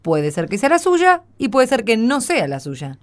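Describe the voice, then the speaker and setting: A woman's voice: on the high side, huge pitch swings, unhurried. An actress playing a frank, spirited neighborhood woman in a radio play, emphatic and wry. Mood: firm. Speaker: actor in radio drama. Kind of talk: Spanish-language radio theatre acting.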